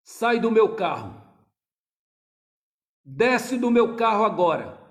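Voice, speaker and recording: A man's voice: high voice, fairly even intonation, normal speed, close to an everyday voice. A male pastor voicing a desperate middle-aged father pleading with his son in an urgent voice. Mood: stern. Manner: urgent and pleading, sometimes stern.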